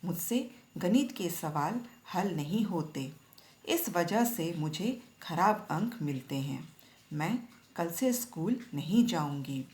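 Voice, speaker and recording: A woman's voice: fairly low pitch, animated, slow pace, darkish tone. A woman teacher voicing an unhappy young schoolgirl who struggles with maths, read plaintively from a storybook. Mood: upset, plaintive. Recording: echoey room.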